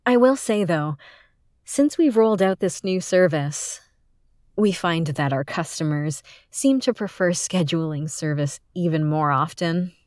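A woman voicing a polite, teasing service technician who gives a smooth customer-service pitch in an audio roleplay and calls the listener sir. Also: darkish tone, no room sound, clean studio sound.

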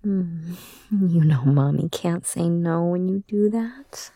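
Slow, soft-whispering woman, close to the mic. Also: lowish voice, dry recording. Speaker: ASMR roleplayer. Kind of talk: ASMR roleplay.

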